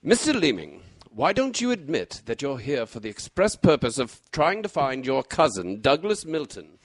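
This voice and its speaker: An actor playing a courteous, shrewd gentleman detective in a radio mystery drama, formal, measured and dryly ironic. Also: medium pitch, wildly swooping pitch, dry recording. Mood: probing, dry.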